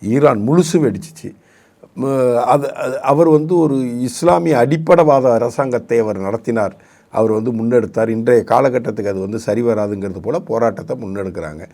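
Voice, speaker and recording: A man's voice: mid-range voice, steady tone, brisk, warm tone. A man, giving combative political commentary on a talk show and firing off repeated rhetorical questions.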